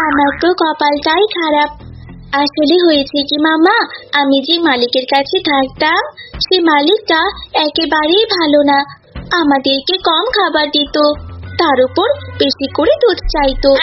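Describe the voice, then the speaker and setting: A woman voicing a clever, plucky cow in a cartoon, chatty and coaxing as she reasons things out. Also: sits high. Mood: plaintive. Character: plucky, clever, long-suffering female cow. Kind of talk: cartoon voice acting. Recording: muffled cartoon audio with music.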